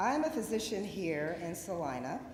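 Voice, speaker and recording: A woman with an American accent speaks with very wide pitch swings, amid audible room echo and noticeable background noise. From Los Angeles, California. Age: 60s. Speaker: radiologist, guest speaker. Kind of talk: speech. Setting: stage with audience.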